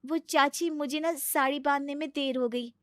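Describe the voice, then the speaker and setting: A woman's voice: high-pitched, steady tone, normal speed, a bit bright, dry recording, studio quality, pitched above the performer's own voice. A woman voicing a polite, eager young newlywed bride with a sweet, girlish voice. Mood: pleading.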